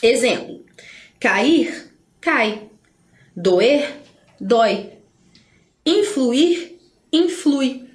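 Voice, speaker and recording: A Brazilian woman teaching a grammar lesson, explaining in a chatty way and stretching words slowly to stress them. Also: on the high side, expressive, roomy sound.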